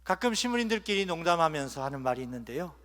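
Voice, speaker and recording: A man preaching as a bishop at an ordination, telling humorous stories and letting his phrases trail off softly at their ends. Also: a little high, very animated, fast talker. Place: large cathedral. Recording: long cathedral reverb.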